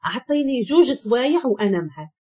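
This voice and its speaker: A woman's voice: a little high, big pitch swings, fast, darkish tone, husky. A woman with a Moroccan accent voicing a charming, flirtatious male colleague who teases in a playful way. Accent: Moroccan Arabic. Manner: teasing and playful.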